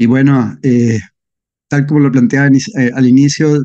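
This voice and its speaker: Over a quiet background, a man speaks at a moderate pace with a medium pitch, a dark, mellow tone and fairly even intonation, the sound dry with no echo. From Chile. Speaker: podcast host. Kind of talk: interview. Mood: warm, calm. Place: home room. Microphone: video call.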